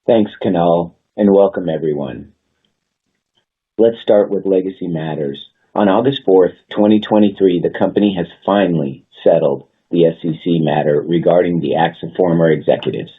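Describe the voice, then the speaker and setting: Very deep-voiced man on a phone line. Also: moderate pace, slightly rough. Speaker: company executive. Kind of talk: prepared earnings call remarks. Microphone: conference call line. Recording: muffled, phone-like conference call line.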